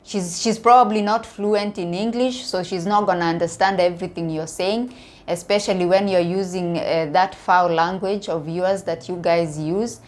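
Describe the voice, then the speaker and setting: A woman's voice: lowish voice, fairly even intonation, moderate pace, darkish tone. Kenyan woman giving casual opinions. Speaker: online video commentator. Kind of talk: casual opinion talk to viewers.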